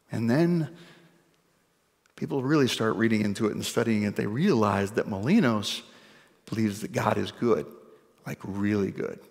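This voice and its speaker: Conversational pastor preaching in a reverberant church. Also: male voice, medium pitch, creaky. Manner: conversational, jokey asides to the congregation. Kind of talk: sermon. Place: church stage before a congregation.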